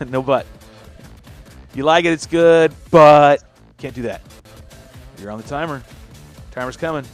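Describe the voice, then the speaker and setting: A man's voice: on the high side, a little slow, long pauses, soft background music. A man hosting a casual podcast chat, teasing his co-hosts and laughing often. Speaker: podcast host.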